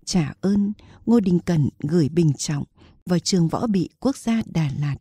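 Woman, audiobook narrator, steady storytelling, husky, very dark tone. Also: on the low side, measured pace, dry recording, studio quality. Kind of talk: scripted novel narration.

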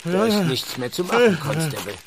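An actor playing a village doctor in a radio play, dry and matter-of-fact in manner. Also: male voice, a little high, very animated, fairly quick, crowd noise. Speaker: actor in audio drama. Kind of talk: German radio play acting.

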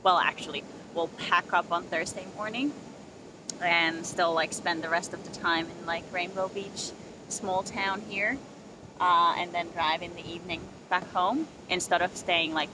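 A woman vlogging casually to a handheld camera at a beach campsite, talking in a relaxed, chatty way full of fillers and restarts. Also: lowish voice, unhurried. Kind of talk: casual vlog chat to camera. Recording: outdoor noise in background.

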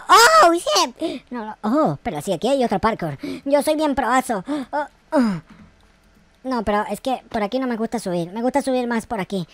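A man voicing a naive, excitable little boy in a Minecraft roleplay, with a childlike voice and a stammering, repetitive, exclaiming delivery. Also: no echo. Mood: curious, boastful. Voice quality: high, childlike put-on voice. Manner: stammering, repeating words, exclaiming. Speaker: gaming YouTuber. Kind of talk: improvised Minecraft roleplay commentary.

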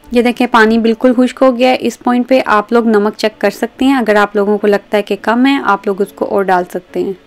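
A woman's voice: on the high side, fairly even intonation, brisk, hardly any pauses, soft background music. A woman hosting a recipe video in voice-over, explaining step by step and addressing viewers directly. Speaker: cooking show host.

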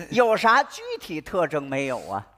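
A woman's voice: medium pitch, gravelly, a bit bright, breathy edge. A woman performing in a stage comedy sketch, bold and teasing, calling out in a sing-song way. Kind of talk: northeastern comic sketch. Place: stage before a live audience.

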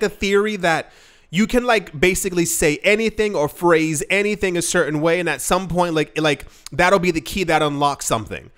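Male vlogger, high-pitched, earnest and rambly, filler-heavy casual delivery to camera. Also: fairly bright tone, clear, resonant tone. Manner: rambling, many "like" fillers and restarts; earnest, emphatic, shifts pace often. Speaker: crypto investing vlogger.

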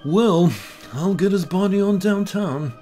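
A man's voice: sits high, measured pace, dark tone, slight background noise. A man voicing a plain-spoken, sympathetic small-town undertaker in a horror comic reading, with a folksy drawl. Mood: glum, matter-of-fact.

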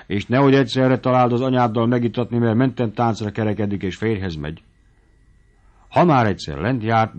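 A man reading a novel aloud as an audiobook narrator in measured storytelling. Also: lowish voice, darkish tone. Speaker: audiobook reader. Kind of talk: scripted narration. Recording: dull lo-fi audiobook recording.

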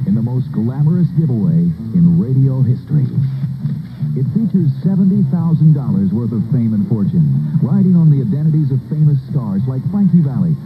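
A man's voice: mid-range voice, big pitch swings, a little fast. An American man reading a scripted 1970s radio promo in a showy, dramatic announcer style. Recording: tinny, band-limited 1970s radio aircheck. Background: music.

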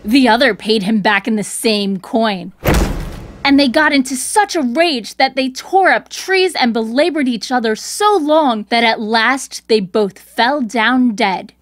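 A woman's voice: a little high, animated, measured pace, noisy background. A woman storyteller reading a scripted fairy tale narration.

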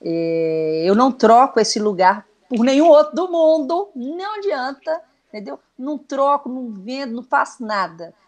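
A woman's voice: sits high, big pitch swings, normal speed, darkish tone. A woman in her thirties with a Minas Gerais accent, a guest chatting enthusiastically over a video call from a small room. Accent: Minas Gerais Portuguese. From Brazil. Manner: chatty, enthusiastic, lots of fillers. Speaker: guest musician. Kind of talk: casual TV chat. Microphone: laptop video call.

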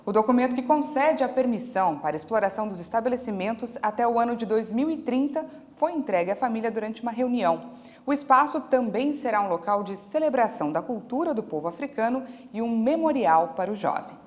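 A woman in her thirties anchoring a live newscast, with a crisp, measured delivery on a lapel mic. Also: fairly high pitch, animated, darkish tone. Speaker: news anchor. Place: outdoor studio set with trees.

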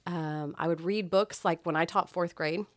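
A middle-aged woman, telling stories as a podcast guest in a chatty, expressive way. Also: fairly low pitch, moderate pace, no room sound, studio quality. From Texas, US. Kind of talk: casual chat.

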